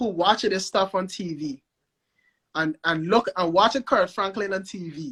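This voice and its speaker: The speaker has a strong Guyanese accent. The pace is moderate. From Guyana. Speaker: gospel recording artist and record label owner. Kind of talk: interview. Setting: video call. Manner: animated.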